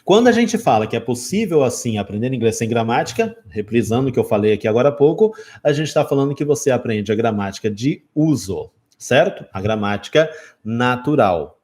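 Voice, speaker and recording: Brazilian english teacher guy, 40s, live lesson, super animated up-and-down voice, keeps going "ok?". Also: medium pitch, fairly quick. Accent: Brazilian Portuguese. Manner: explanatory, checks in often with "ok?".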